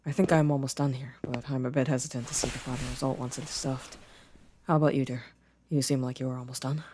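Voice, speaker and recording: A young man playing a gentle, shy, affectionate boyfriend in an ASMR roleplay, speaking softly and hesitantly with careful phrasing. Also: medium pitch, flat delivery, fast talker, slight background noise, lightly acted. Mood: calm, modest.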